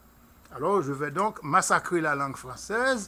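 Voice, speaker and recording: A man's high-pitched voice, with a bright, sharp tone, moves at a fairly slow pace with lively intonation. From Haiti. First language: Haitian Creole (speaking French). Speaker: video commentator. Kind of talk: personal monologue. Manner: halting, repeats words.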